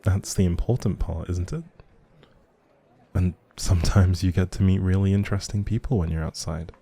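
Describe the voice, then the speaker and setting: A man's voice: low voice, steady tone, moderate pace, vocal fry, mellow, husky, exaggerated voice. A man playing a shy, socially anxious but friendly young writer in an intimate audio roleplay, rambling hesitantly and apologetically to the listener. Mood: rambling, musing.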